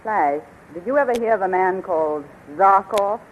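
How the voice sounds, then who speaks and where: A woman's voice: medium pitch, normal speed, lightly acted. A muffled, noisy 1930s radio recording of a woman playing a scheming witch queen. She commands grandly, then coos seductively, in theatrical serial style. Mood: commanding.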